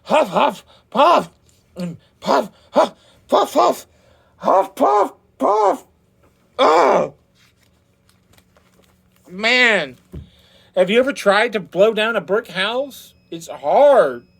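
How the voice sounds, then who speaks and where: Man putting on a blustering, animated hungry storybook wolf. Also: very high-pitched, extremely slow, vocal fry, pauses often, slightly rough, voice pushed up, heavily acted. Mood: exasperated. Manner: blustering, loud and emphatic. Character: hungry, somewhat bad male wolf, blustering storybook villain.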